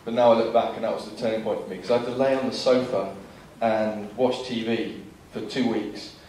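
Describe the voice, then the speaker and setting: A man's voice: lowish voice, fairly quick, distant mic, slight background noise. Man telling stories in an echoey hall. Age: 40s. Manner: lively storyteller who acts out other people's lines. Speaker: filmmaker on a seminar panel. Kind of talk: anecdotal seminar talk. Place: seminar hall.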